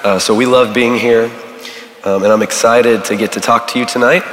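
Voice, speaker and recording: A man teaches a church recovery group in a casual, halting way, full of ums and uhs, his voice going hoarse. His voice rings through a large hall with a long, roomy reverb. He sits at an ordinary middle pitch. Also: steady tone, fairly bright tone. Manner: casual, halting, many fillers. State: losing his voice.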